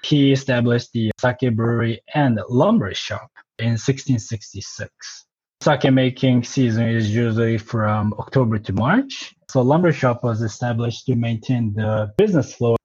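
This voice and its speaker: Man, 30s, from Japan, interview guest, relaxed with pauses, husky voice, dull recording. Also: medium pitch. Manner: relaxed, pauses with uh, tempo speeds and slows. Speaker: guest, brewery representative. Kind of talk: casual interview storytelling.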